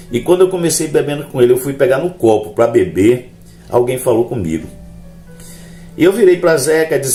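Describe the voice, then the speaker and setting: A man telling his religious testimony to a congregation in an animated storytelling manner. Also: medium pitch. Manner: animated storytelling, acts out dialogue in raised voices. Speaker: testimony speaker. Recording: roomy echo, faint music behind.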